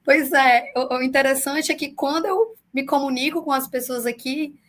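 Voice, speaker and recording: A woman in her forties with a Brazilian accent that mixes southern and northeastern sounds, answering interview questions over a video call in a measured, explanatory way with frequent fillers. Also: sits high, a bit bright. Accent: mixed southern Brazilian and northeastern Brazilian Portuguese. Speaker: public defender.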